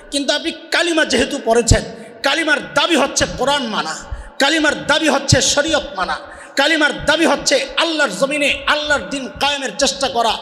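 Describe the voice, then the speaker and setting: Impassioned high-voiced preacher, booming echo. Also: male voice. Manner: impassioned, drills crowd with repeated questions, shouting. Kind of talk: call-and-response sermon. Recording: echoey public address sound with long reverb.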